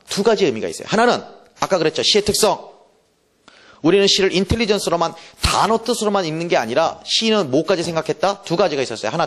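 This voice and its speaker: A man lecturing on English literature for exam prep, teasing his students with quick rhetorical questions and reading English verse slowly and deliberately. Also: sits high. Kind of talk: classroom lecture.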